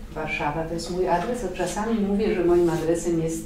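A woman's fairly low voice at a moderate pace with fairly even intonation, light background noise and audible room echo. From Poland, Warsaw. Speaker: writer. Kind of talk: talk to young audience. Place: meeting room. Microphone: camera far.

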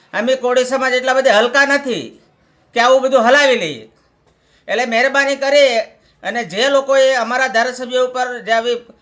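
A man speaks at an extremely high pitch in a bright, sharp tone. His intonation is fairly even. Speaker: village council representative. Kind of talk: political statement to camera.

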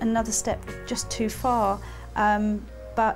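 A woman speaking at a very slow pace over clear background music. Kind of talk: interview answer. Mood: reflective, rueful. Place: home room.

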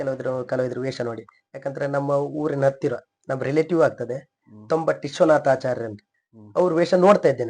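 Fairly high in pitch, a man speaks in an unremarkable speaking voice. His pitch varies in an ordinary way while his loudness swings a lot. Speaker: Yakshagana artist. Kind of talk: interview.

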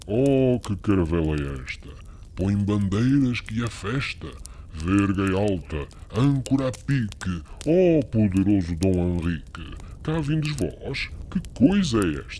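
Over clear background noise, a man puts on a character voice with a fairly low pitch at a fairly slow pace. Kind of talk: audiobook drama reading.

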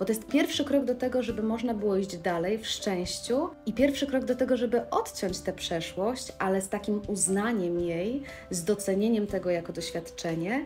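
With faint music in the background, a woman with a fairly high pitch and lively intonation talks with hardly any pauses. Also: moderate pace. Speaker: voice coach and mentor. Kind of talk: coaching talk to camera on emotions and trauma. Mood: warm, gentle, encouraging. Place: home room. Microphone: phone near.

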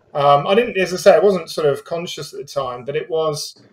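A man with a southern English accent. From southern England, Buckinghamshire. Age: 50s. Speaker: business executive. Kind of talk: interview. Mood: reflective, personal story. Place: home room.

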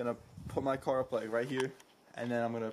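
A man at a very fast pace over light background noise. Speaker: vlogger. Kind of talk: casual vlog chat. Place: garage. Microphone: phone near.

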